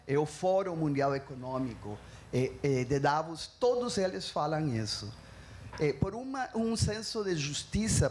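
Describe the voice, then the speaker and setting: In this panel talk, a panelist with a Mexican accent uses a low, slightly mellow voice. She comes across as earnest and emphatic, often restarting and filling pauses, while a faint hiss or hum runs underneath.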